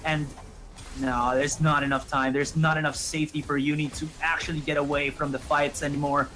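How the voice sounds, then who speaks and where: A man doing excitable play-by-play commentary on an esports match. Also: a little high, brisk. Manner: excitable, rising to shouts at big plays. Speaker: esports caster.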